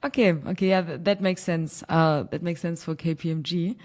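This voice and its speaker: Low-voiced German woman hosting a podcast. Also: fairly even intonation, moderate pace, a little mellow. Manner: chatty, laughs easily, many fillers. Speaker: podcast host. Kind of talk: casual podcast interview. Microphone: remote call.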